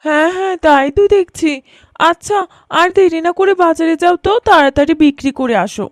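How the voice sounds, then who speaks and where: A woman's voice: very high voice, brisk, dry recording, studio quality. A woman voicing a practical, devoted farmer's wife in a cartoon story, speaking expressively. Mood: eager.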